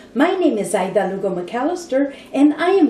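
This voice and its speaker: Audible room echo follows a woman whose speech moves fairly slowly. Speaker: cooking show host. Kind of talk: tutorial. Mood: warm, smiling. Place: kitchen.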